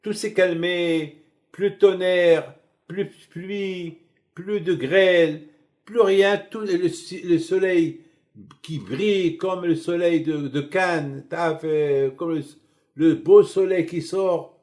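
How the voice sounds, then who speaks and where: A middle-aged man delivers a rabbi's sermon, his voice sitting fairly high. He tells stories in an animated, colloquial way that keeps shifting between softer asides and emphatic bursts. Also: slow pace.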